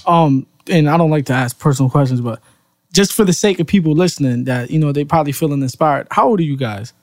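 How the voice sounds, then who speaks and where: A man of twenty-seven, hosting a casual podcast, upbeat and quick to say "that's dope". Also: fairly high pitch, darkish tone, dry recording, clean studio sound. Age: 20s. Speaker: podcast host.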